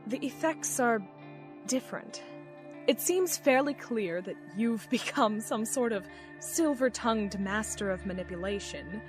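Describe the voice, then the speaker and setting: An actress playing a secretive, condescending woman in command in an audio drama, measured and controlled. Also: on the high side, animated, soft background music. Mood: cool, knowing.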